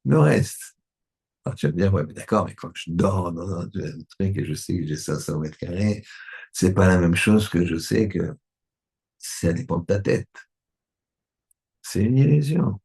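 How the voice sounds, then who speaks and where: A man's voice: low voice, animated, measured pace, creaky, pauses often, a little mellow, breathy edge. A man, a rabbi, giving a Torah lesson in a conversational way, often checking that his listeners agree.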